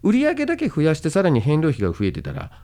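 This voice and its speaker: A man giving a relaxed podcast lecture, his pitch leaping up and down all the time. His voice is dark and mellow. He fills his talk with little fillers and tag endings, and he speaks straight to his listeners to keep them going. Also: fast talker. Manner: casual, with many fillers and sentence-final tags. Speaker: host and medical management lecturer.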